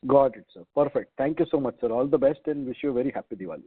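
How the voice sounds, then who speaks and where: A man's voice: medium pitch, lively intonation, rapid-fire, slightly rough. A man with an Indian accent, an analyst politely asking questions on an earnings call. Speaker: financial analyst. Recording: narrow phone-line sound.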